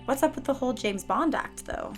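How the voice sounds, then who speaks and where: A woman's voice: high voice, expressive, a little fast, faint music behind. A woman playing a sly, helpful hospital nurse in a fiction podcast, self-assured and teasing. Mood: conspiratorial.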